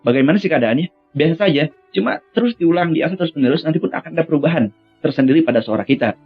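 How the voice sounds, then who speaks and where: A man's voice: on the high side, expressive, racing, husky, narrow, tinny audio, soft background music. A young man teaching Quran recitation singing in a casual, friendly lesson, with sung chant demonstrations. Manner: friendly, addresses viewers as friends, breaks into melismatic chant. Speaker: vocal coach for Quran recitation.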